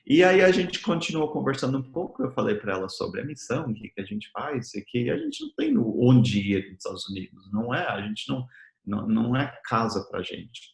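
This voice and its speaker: A man's voice: mid-range voice, sing-song, fairly quick, vocal fry. American guy preaching, not his first language, chatty sermon w/ lots of tag questions, echoey room. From United States. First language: English. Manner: conversational, often ends phrases with a tag question. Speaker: missionary preacher. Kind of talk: conversational sermon. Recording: roomy echo.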